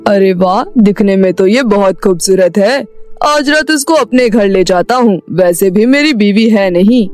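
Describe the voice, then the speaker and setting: A woman voicing a scheming, leering middle-aged man in a storybook cartoon, speaking in a smooth, coaxing way over faint music. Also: medium pitch, lively intonation, unhurried, a little mellow, voice pushed down, lightly acted. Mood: sly. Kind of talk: storybook voice acting.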